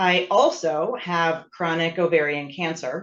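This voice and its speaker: Over a quiet background, a woman with a plain, everyday voice speaks at a fairly low pitch with ordinary pitch variation. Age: 60s. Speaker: cancer patient panelist. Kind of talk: personal testimony.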